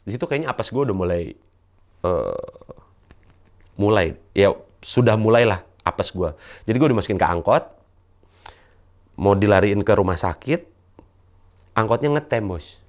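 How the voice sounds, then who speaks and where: A young man, performing a stand-up storytelling monologue. He acts out the other people in his story with sudden high-pitched shouts. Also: lively intonation, normal speed, long pauses. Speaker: stand-up comedian.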